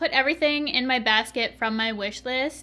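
A woman's bright, sharp voice moves at a moderate pace with ordinary pitch variation. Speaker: beauty vlogger. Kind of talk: casual vlog chat. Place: home room.

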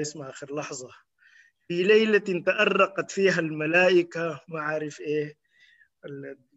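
A man speaks with a Sudanese accent in a fairly high pitch. His pace is fairly slow and his intonation fairly even. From Sudan, Omdurman. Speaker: professor and physician, poet. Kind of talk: casual interview talk. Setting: video call webinar.

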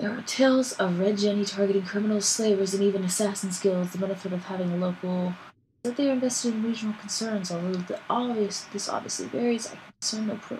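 A woman talks at a very fast pace with fairly even intonation. Her loudness swings widely. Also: medium pitch for a woman. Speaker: gamer. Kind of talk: reading game codex entries aloud.

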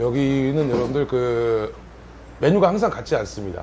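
Lively intonation from a man over light background noise. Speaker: food vlogger. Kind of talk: casual vlog chat. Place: cafe. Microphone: lapel.

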